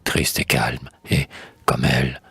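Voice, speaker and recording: Very deep, husky man reciting solemn poetry. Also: flat delivery, a bit bright, no room sound. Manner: declamatory, elegiac, measured phrasing. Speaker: poetry reader.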